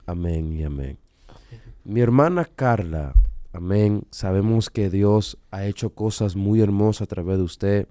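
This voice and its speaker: A man's voice: lowish voice, a little slow, dark tone, dry recording. A man hosting a Christian radio interview, asking questions and affirming his guest often with praise. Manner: affirming with "wow" and "gloria a Dios". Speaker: radio host. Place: studio.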